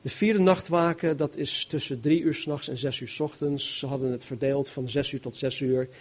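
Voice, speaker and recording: A man preaching a sermon, reading Bible verses and explaining them in an animated, emphatic way, swinging between loud and soft. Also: medium pitch, moderate pace. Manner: animated, emphatic, varies loudness widely.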